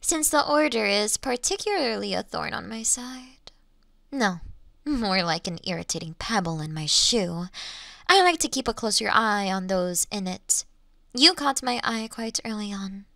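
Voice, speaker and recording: A woman playing an ancient, elegant monster in a Victorian fantasy audio drama, teasing her hunter in archaic, formal phrases with lingering pauses. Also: mid-range voice, animated, gravelly, sharp tone, no room sound, exaggerated voice. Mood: wistful, amused. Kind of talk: slow theatrical roleplay monologue in Victorian fantasy audio drama.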